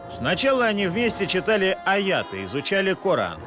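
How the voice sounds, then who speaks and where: A male documentary narrator delivers a scripted report. His voice sits high and moves in animated swings of pitch, over prominent background music. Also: moderate pace.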